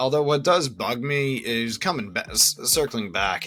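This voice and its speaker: The tone is bright and sharp. It belongs to a man talking at a moderate rate. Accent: strong Boston. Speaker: comedian and pizza chef. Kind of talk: casual chat.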